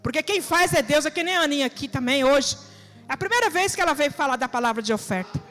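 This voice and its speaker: A woman's voice: high voice, expressive, fast, a bit bright. A woman from São preaching an earnest, exhorting sermon in church, full of rhetorical questions and plain everyday speech. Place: church hall. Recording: reverberant church hall with music.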